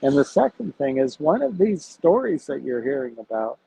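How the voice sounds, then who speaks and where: A man hosting a casual livestream about investing, talking to his viewers in a measured, reflective way as he thinks aloud. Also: medium pitch, very animated, gravelly, mellow, a little hiss or hum. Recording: tinny phone-like sound.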